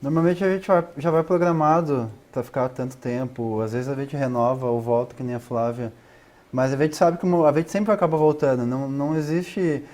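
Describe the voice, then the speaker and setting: A man's voice: mid-range voice, moderate pace, a little mellow. Man. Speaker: guest. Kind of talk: casual talk show conversation.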